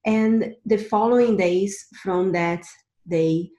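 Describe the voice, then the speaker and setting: A woman's voice: medium pitch, slow, dark tone, reverberant, highs cut off. A middle-aged woman from Brazil, a guest telling her personal story in an earnest way, often restarting and repeating words. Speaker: guest, Akashic Records teacher.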